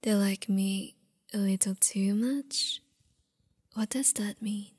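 A woman's voice: medium pitch, steady tone, takes it slowly, husky. A young woman whispering close to the mic in a girlfriend roleplay, doting and possessive. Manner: mostly whispering, soft and intimate. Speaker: ASMR roleplay performer.

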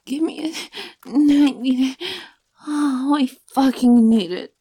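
Brief: woman as a domineering female life-draining creature, husky whispered delivery, slow and a bit high. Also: dark tone, exaggerated voice. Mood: seductive, domineering. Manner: breathy, whispered, domineering teasing. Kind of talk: erotic audio roleplay.

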